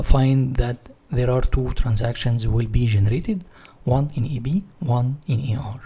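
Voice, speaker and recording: A man who is a non-native English speaker giving an instructional software walkthrough, explaining step by step and posing questions that he then answers. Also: medium pitch, slight background noise. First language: not English. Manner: didactic, asks and answers own questions. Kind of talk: screen-share software walkthrough, part read from notes.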